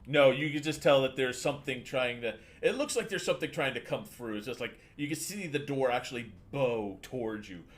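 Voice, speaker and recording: Excitable man running a tabletop game. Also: mid-range voice, a little fast, hardly any pauses. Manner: excitable, punches out sound effects. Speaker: game master. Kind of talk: narrating a tabletop game, casual.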